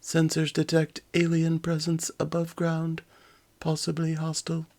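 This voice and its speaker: A man doing a nervous little robot helper from a storybook, hammy and dramatic. The voice is pushed well up in pitch, alert and dutiful. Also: monotone, unhurried, darkish tone. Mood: alarmed.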